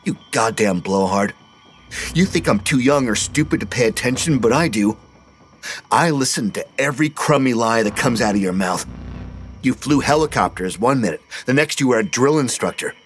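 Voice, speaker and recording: A man's voice: on the low side, normal speed, a little hiss or hum, natural voice. A man voicing a cold, scornful boy who leads a gang, mocking in a raised voice.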